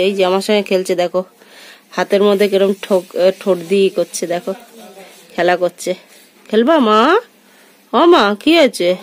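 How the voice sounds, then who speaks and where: A woman vlogging at home, coaxing her pet bird in playful baby talk. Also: medium pitch. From West Bengal, India. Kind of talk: casual home vlog, talking to a pet bird.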